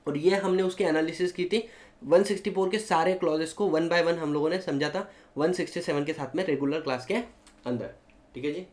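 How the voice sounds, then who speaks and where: A man with an Indian accent teaching law to a class, animated and switching between Hindi and English, often asking students if they follow. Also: on the high side, brisk, roomy sound. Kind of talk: classroom lecture.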